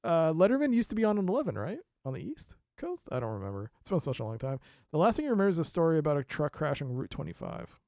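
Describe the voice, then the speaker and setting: A man's voice: fairly high pitch, very animated, quick pace, hardly any pauses, warm tone, no echo. A man streaming a mystery game, reading case notes aloud and reacting with laughs and asides. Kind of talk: casual let's play commentary.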